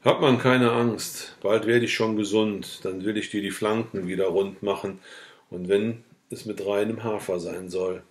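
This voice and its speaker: A man reading the lines of a sick, dying old farmhand in a quiet, weak, indignant mutter. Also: fairly low pitch, fairly even intonation, measured pace, lightly acted. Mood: tender.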